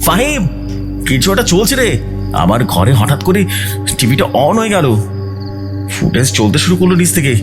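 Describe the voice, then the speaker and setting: Casting: male narrator as scared young man on a late-night call, high-pitched and urgent, horror storytelling, music underneath. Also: sing-song, normal speed, pauses often. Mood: panicked, frightened. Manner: urgent, frightened, colloquial speech. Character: panicked young man phoning his friend at night. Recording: music bed behind the voice.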